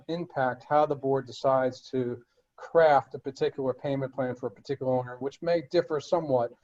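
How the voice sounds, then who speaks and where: A man answering board questions in a webinar, explaining legal steps in a measured way with frequent fillers and restarts. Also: mid-range voice, darkish tone, highs cut off. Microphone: web conference audio.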